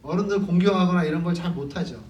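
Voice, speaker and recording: A man's voice: sits high, fast talker, a little mellow, lo-fi sound, a little hiss or hum. A man preaching a Sunday sermon in a conversational way, asking the congregation questions and acting out stories. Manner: conversational preaching, acts out quotes. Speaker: pastor. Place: church sanctuary. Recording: echoey church hall from far off.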